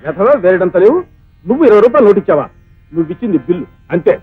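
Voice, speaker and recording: A man playing a hotel owner in a film drama, who scolds and accuses a boy in a sharp, harsh way, on a tinny old soundtrack. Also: high-pitched, sing-song, very fast, husky, soft background music, exaggerated voice. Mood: scolding.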